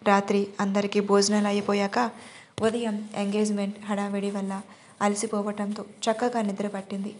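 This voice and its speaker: A woman's voice: medium pitch, completely flat delivery, moderate pace, a little mellow, slight background noise. A woman narrating an audio romance story, reading every part in one voice.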